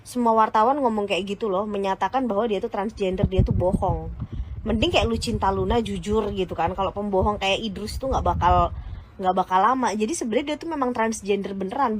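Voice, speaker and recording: A woman's voice: mid-range voice, a little fast, noisy background. A woman ranting angrily to her followers, blunt and insulting in casual slang. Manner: heated, insulting and combative. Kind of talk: angry rant to followers.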